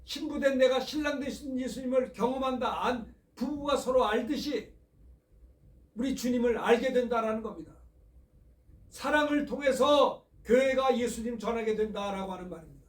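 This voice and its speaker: A man's voice: very high voice, moderate pace, roomy sound, far from the mic. A male pastor from Seoul preaching a Sunday sermon, asking the congregation questions as he goes. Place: church sanctuary.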